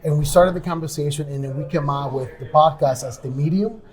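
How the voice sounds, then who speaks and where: A man's voice: on the high side, a little fast, a little mellow. A man with a Latino and East Coast American accent whose first language is Spanish, talking earnestly as a podcast guest, with many fillers and restarts. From New York. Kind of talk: casual interview talk.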